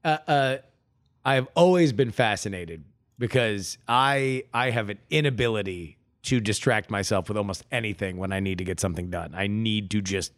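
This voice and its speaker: A man co-hosting a podcast in casual chat, halting with many fillers and restarts. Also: fairly low pitch. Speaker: podcast co-host.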